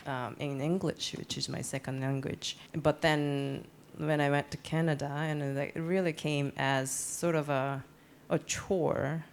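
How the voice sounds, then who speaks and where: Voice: medium pitch, steady tone, a little slow, creaky, a little hiss or hum. An artist speaking on a panel in a hesitant way, with lots of fillers and restarts. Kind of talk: panel discussion. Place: panel event.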